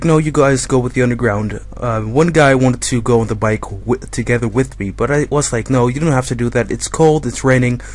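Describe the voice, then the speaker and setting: A young man commentating his own game in a casual, rambling way, his voice slightly hoarse from being a bit ill. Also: medium pitch, dry recording. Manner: chatty, rambling, self-correcting. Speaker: gaming commentator.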